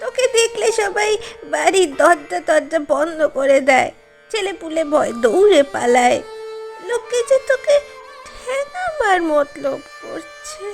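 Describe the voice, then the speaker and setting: Comic drama aunt: slow, lamenting scold, piercingly high voice, faint music behind. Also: female voice, big pitch swings, vocal fry, full character voice. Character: exasperated, wailing aunt of a troublesome youth. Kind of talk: comic audio drama acting.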